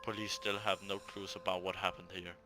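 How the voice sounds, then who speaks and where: A man's voice: low voice, little pitch movement, a little fast, over music, pitched below the performer's own voice, lightly acted. Man reading as a sober newspaper reporter. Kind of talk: reading a news report aloud.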